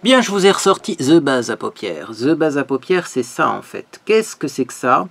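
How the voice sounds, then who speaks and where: A man's voice: medium pitch, big pitch swings, moderate pace, vocal fry, a bit bright, soft background music. A man hosting a makeup tutorial, talking in a bubbly, chatty way and often tagging his sentences with little fillers. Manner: bubbly, chatty, peppered with "hein". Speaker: beauty vlogger.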